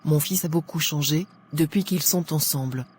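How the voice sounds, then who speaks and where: A man's voice: a little high, normal speed, slightly rough. A man voicing a worried, indignant Christian mother and pastor's wife in a cartoon. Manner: fretful, indignant. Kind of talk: French-language Christian cartoon acting.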